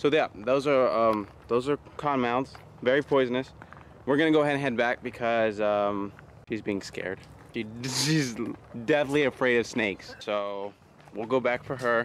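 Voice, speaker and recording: A man at a moderate pace, with ordinary pitch variation and long, frequent pauses, light background noise and a dry sound with no echo. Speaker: vlogger. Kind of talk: casual vlog chat. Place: forest. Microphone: phone near.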